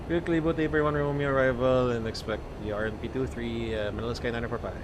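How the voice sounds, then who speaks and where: A man speaking as a pilot on a cockpit headset mic, making radio calls and a relaxed airline cabin announcement with frequent fillers. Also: medium pitch. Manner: relaxed, chatty, pausing with fillers. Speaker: virtual airline pilot on a flight simulator. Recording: steady loud background noise.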